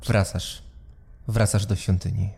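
A man's voice: lowish voice, flat delivery, measured pace, vocal fry, a little mellow, husky. A man narrating a tabletop role-playing game as game master, blunt and pushy.

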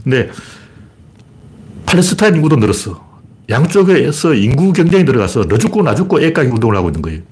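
Blunt, animated middle-aged male commentator. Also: mid-range voice, fast talker, long pauses. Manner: blunt, colloquial, asks and answers his own questions. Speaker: livestream host. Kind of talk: solo political commentary livestream.

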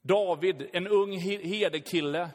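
A man preaching a sermon, lively and casual, acting out prayers and switching between loud and hushed. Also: high-pitched. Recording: long hall reverb.

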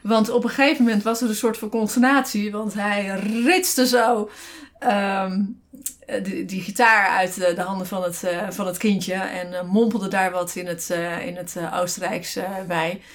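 A woman's voice: medium pitch, steady tone, normal speed. A woman co-hosting a casual podcast from a desk beside her partner, telling a story with many fillers and restarts. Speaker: podcast co-host.

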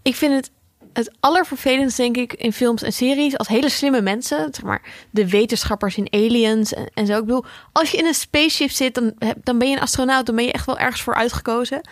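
A Dutch woman hosts a relaxed podcast conversation, steering the group from one topic to the next. Her voice sits a little high and sounds close and dry, with almost no room. She retells scenes with animated energy. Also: brisk, hardly any pauses, no room sound. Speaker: podcast host. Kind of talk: casual chat.

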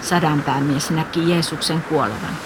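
A woman narrating a radio play in a calm, measured way. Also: sits low, noisy background. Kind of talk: scripted narration.

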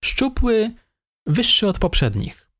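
A timid, servile male killer voiced by a man reading an audiobook, his voice pitched well above the narrator's own and kept soft. He answers hesitantly and evasively, with a subdued, shamefaced manner. The recording is dry, with no room sound. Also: huge pitch swings, slow, dry recording, heavily acted. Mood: ashamed, hesitant. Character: meek, evasive male killer under questioning.

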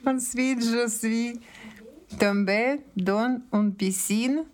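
A woman learning French, telling a short story haltingly and searching for words, with amusement. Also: a little high. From Ukraine.

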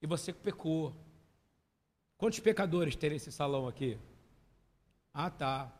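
A man's voice: fairly high pitch, animated, unhurried, a little mellow. A man preaching a sermon as pastor, emphatic and full of questions to the congregation. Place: church hall. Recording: long hall reverb.

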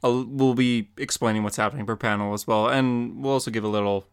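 A man's voice: medium pitch, fairly even intonation, brisk, clean tone. A young man co-hosting a podcast, chatting casually and narrating comic book scenes.

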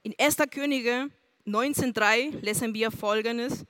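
A woman's voice: on the high side, measured pace, fairly bright tone, no room sound. A woman preaching a sermon in an earnest way, speaking straight to her listeners with questions.

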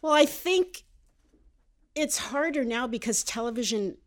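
An older American woman, a television writer, speaking as a guest in a casual interview, measured and reflective. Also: a little high, animated. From United States. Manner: measured, reflective, thinks aloud.

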